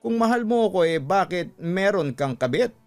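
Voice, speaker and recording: A man's voice: sits high, animated, normal speed, pitched above the performer's own voice. A man voicing a furious, hurt spouse confronting a cheater in a dramatized radio story, with emphatic, accusing outbursts. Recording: music under the voice.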